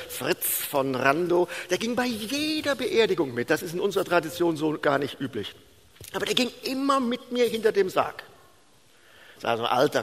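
Male pastor, 50s, lively sermon delivery, slightly high voice, long hall reverb. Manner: animated storytelling, swings from loud preaching to hushed.

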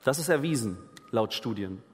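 A man's voice: mid-range voice, animated, normal speed, slightly rough, in a large hall. A man preaching a sermon in an earnest, conversational way, asking the listeners questions. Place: free church hall.

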